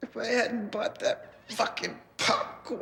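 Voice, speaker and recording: Raspy and fairly slow, this is a put-on character voice. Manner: anguished.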